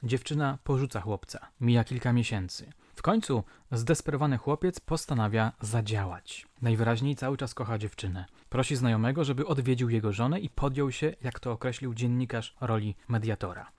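A man of middle pitch hosts a true-crime podcast in scripted, storytelling narration. He reads old newspaper reports with relish and keeps turning to his listeners with rhetorical questions. The sound is close and dry, with no room around it. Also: a little fast, few pauses, darkish tone, no room sound. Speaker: podcast host.

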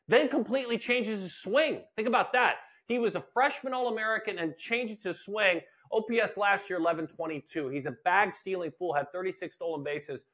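A man's voice: high-pitched, fairly bright tone. An older man co-hosting a baseball podcast, chatting casually and animatedly, often repeating phrases for emphasis. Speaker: podcast co-host, baseball broadcaster. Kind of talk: casual sports chat.

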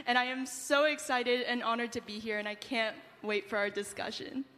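A woman's voice: a little high, normal speed, fairly bright tone. A young woman introducing herself as a student panelist. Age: young adult. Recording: echoing hall, faint crowd.

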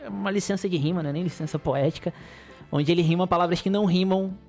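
A man's voice: high-pitched, fairly even intonation, fast talker, darkish tone, soft background music. Chatty Rio de podcast man. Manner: rambling, chuckling, playful griping. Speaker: podcast host. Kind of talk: casual solo podcast monologue.

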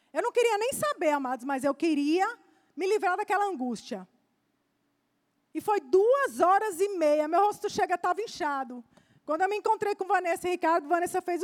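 A woman preacher giving a fervent sermon, often dropping softly to address her listeners as beloved. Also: very high voice.

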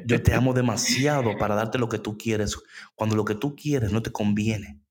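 A man voicing God as a calm, patient father figure, speaking softly and gently. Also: fairly low pitch, moderate pace, breathy edge. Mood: tender.

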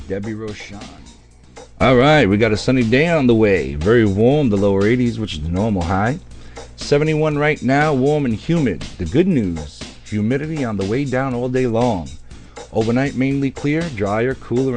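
A man's voice: lowish voice, darkish tone. A man hosting a radio show in chatty, folksy DJ patter, speaking directly to his listeners. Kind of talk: radio DJ patter, ad reads and weather.

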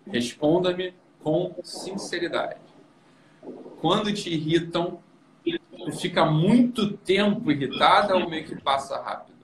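A man hosting a casual chat, explaining personality temperaments to a young guest in an animated, teasing way. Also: fairly high pitch, slow. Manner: animated and teasing, often tags "entendeu?". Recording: roomy room with clear background noise.

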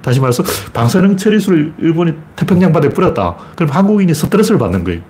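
A man giving a casual spoken lecture, arguing forcefully with rhetorical questions and acting out quoted voices. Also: on the high side, sing-song, racing.

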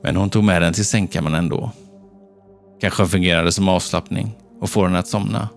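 A man narrating a horror story in a tense, measured storytelling manner. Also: low voice, fairly even intonation, vocal fry. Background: faint background music.

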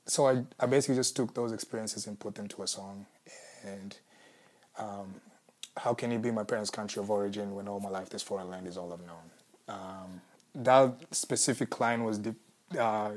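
A young man from Congo with a Kenyan accent, a musician answering interview questions in a thoughtful, searching way with restarts and soft laughs. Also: lowish voice, fairly even intonation, normal speed. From Congo, raised in Kenya. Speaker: musician, former refugee.

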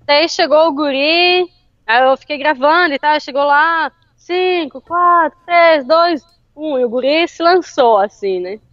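A woman telling a story in casual chat, animated and often laughing. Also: sits high, moderate pace, dry recording, muffled recording. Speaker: interview guest.

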